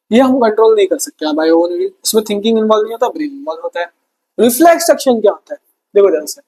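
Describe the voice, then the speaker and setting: A man's voice: sits high, darkish tone, poor audio. Young guy teaching science, chatty, keeps saying bhai, repeats terms. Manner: chatty, addresses students as brother, repeats key terms. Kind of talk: exam-prep lesson.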